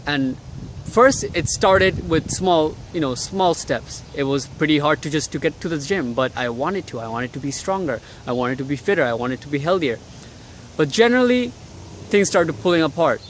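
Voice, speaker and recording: A young man from Bangladesh records a casual motivational vlog outdoors in the cold city air. He talks bluntly and swears freely, with a slightly higher voice than most men. Faint traffic hums behind him. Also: fairly bright tone. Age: young adult. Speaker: vlogger.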